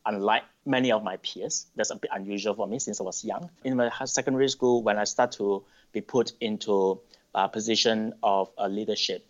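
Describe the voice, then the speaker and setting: A middle-aged man from Malaysia, answering interview questions thoughtfully, with pauses and restarts. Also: fairly low pitch, steady tone. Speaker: podcast guest. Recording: dull lo-fi sound.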